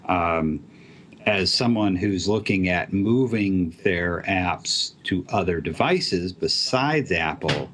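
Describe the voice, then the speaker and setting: A man with a very low voice chats casually about programming. He talks haltingly, with lots of ums and restarts. There is a faint hiss of noise in the background. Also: expressive. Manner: halting, many fillers and restarts. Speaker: app developer guest. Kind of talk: casual tech chat.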